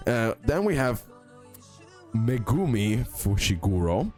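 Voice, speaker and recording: A man's voice: mid-range voice, big pitch swings, slow, a little mellow. A man giving casual, informal gaming commentary as a content creator, often repeating himself for emphasis. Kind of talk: casual gaming commentary over a tier list. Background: background music.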